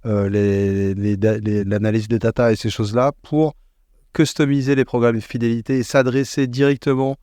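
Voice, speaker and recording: A man speaking as an expert podcast guest in a conversational interview, explaining things in a measured way as he thinks aloud. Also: mid-range voice, level tone, dark tone, no room sound.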